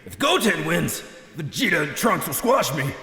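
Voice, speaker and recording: A man voicing a boastful but flustered middle-aged martial arts champion, blustering and dithering in a husky, creaky voice. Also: fairly high pitch, big pitch swings, normal speed, sharp tone, echoey room, big-room sound, exaggerated voice.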